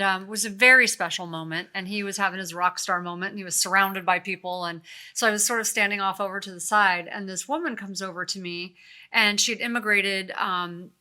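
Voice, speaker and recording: A middle-aged woman co-hosting a podcast, telling stories in a casual, animated and emotional way. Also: mid-range voice. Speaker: podcast co-host.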